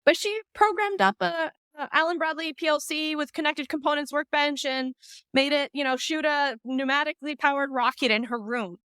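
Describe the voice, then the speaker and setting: A woman podcast host from Iceland, chatting in a lively, talkative way with lots of asides. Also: high-pitched, moderate pace, no room sound. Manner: chatty, lively, talks through ideas with asides. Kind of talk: casual conversation.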